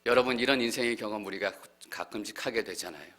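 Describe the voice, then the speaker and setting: A male pastor giving an earnest sermon, growing louder and more fervent as he voices heartfelt prayers. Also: on the low side, fast. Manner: earnest preaching, swelling louder when voicing prayers.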